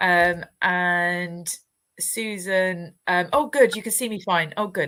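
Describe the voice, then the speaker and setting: In a very clean recording with a silent background, a woman with a British accent speaks at a fairly low pitch in a bright, sharp tone with ordinary pitch variation. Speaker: pet owner and animal physiotherapy channel host. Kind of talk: live stream conversation reading viewer comments. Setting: live video stream.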